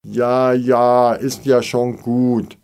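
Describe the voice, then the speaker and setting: A man's voice: mid-range voice, flat delivery, drawn-out words, creaky, darkish tone, clean tone. A man voicing an impatient mother in a storybook reading, asking pointed questions.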